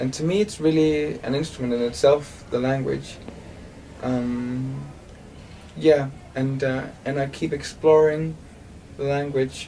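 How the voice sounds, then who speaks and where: A man's fairly high voice in a Danish accent, fairly slow with long, frequent pauses, amid audible room echo and noticeable background noise. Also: fairly even intonation. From Denmark. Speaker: singer-songwriter. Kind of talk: interview. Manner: halting.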